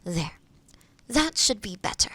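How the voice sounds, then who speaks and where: A woman playing a kind, gentle witch in a fantasy audio roleplay, speaking to the listener in a reassuring, explanatory way. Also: mid-range voice, sing-song, slow, exaggerated voice. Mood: gentle, attentive. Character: kind, gentle forest witch guiding a transformation.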